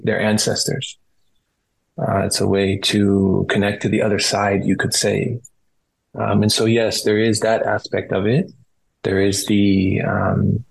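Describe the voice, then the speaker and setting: A man giving explanatory answers as a podcast guest, in a measured, reflective way with pauses. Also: lowish voice, vocal fry, slightly rough, poor audio. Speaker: podcast guest, retreat practitioner. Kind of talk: explanatory interview talk.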